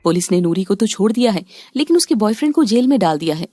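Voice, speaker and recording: A woman narrating an animated family story in a calm, scripted storytelling manner. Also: mid-range voice, quick pace, no echo.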